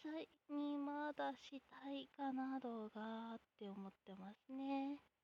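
Dark and mellow in tone, a woman's high-pitched voice comes through with a dry, close sound and no echo. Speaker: solo podcaster and YouTuber. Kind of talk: casual diary monologue.

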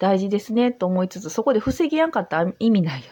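A woman talks at a fairly quick pace. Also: dry, close sound with no echo. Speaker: podcaster. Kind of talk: casual solo monologue while drinking. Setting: home recording in an old house.

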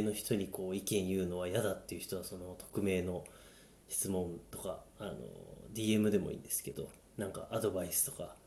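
A man speaks in a fairly low voice with a dark, mellow tone. He keeps a moderate pace and ordinary pitch variation. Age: 20s. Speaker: app company employee starting a talk channel. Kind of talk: casual self-introduction monologue. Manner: halting, many fillers; casual.

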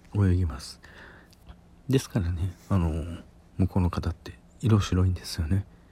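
A man with a very deep, low pitch speaks at a moderate pace, his dark, mellow tone somewhat breathy and his pitch variation ordinary. His loudness swings widely, and he takes long, frequent pauses. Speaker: podcaster. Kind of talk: solo storytelling monologue. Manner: many filler hesitations.

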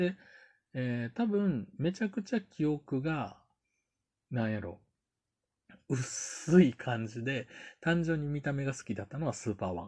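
In a very clean recording with a silent background, a man speaks at a fairly slow pace with long, frequent pauses, a dark, mellow, somewhat breathy tone, very wide pitch swings and big swings in loudness. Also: fairly high pitch for a man. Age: 40s. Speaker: solo podcaster. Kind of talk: casual solo talk. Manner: cheerful, frequent laughter; many filler words.

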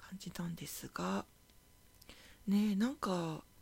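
A woman speaks in a relaxed tone with a somewhat breathy voice. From Tokyo, Oshiage. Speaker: podcast host. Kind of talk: casual solo talk. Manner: relaxed, many fillers.

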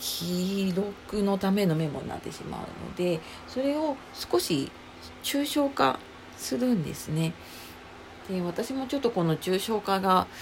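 A woman speaks at medium pitch. Her voice moves through very wide pitch swings. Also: fairly slow pace. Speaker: podcast host and welfare worker. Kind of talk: solo talk show monologue. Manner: halting with many fillers.

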